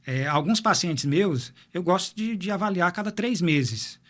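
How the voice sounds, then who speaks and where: A man's voice: high-pitched, expressive, moderate pace, fairly bright tone. Male cardiologist explaining. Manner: explanatory, repeats words while thinking. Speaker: cardiologist guest. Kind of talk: medical interview.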